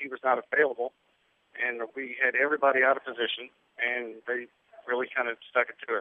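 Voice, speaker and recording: A man speaks at a fairly quick pace in a medium pitch, his intonation flat and monotone. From southern Indiana (Floyd County). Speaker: high school baseball coach. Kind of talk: radio interview. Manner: halting, many fillers.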